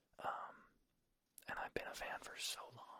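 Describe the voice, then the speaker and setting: A man is whispering. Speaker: ASMR creator. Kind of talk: ASMR whisper ramble. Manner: whispered.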